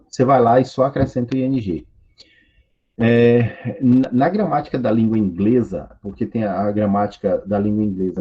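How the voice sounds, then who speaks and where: A man's voice: medium pitch, warm tone, breathy edge, muffled recording. A Brazilian man with a Brazilian Portuguese accent teaching an English grammar class online, explaining step by step and repeating key points. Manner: patient, explains step by step with repetition.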